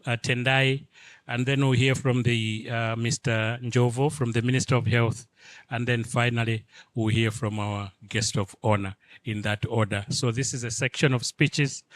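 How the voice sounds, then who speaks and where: A man's voice: medium pitch, no room sound. A man hosting a formal event, courteously introducing speakers in a conference room. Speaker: event host.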